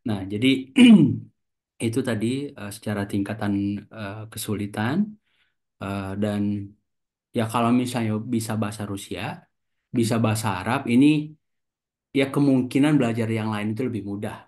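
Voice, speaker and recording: A man's voice: on the low side, normal speed, long pauses. A man hosting a casual interview, asking short follow-up questions with many fillers. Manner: relaxed, asks short follow-ups, hesitant fillers. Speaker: host.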